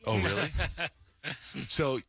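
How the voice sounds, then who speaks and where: A man hosting a radio show, teasing a guest with quick casual questions in the studio. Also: medium pitch, animated, gravelly, fairly bright tone. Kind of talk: casual on-air interview banter.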